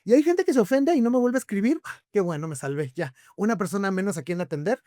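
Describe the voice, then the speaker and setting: A man with a Mexican accent, a podcast guest, telling stories in a lively conversational way, full of rhetorical questions. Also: sits high, fast, dry recording, studio quality. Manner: animated storyteller, rhetorical questions, frequent tag "¿no?".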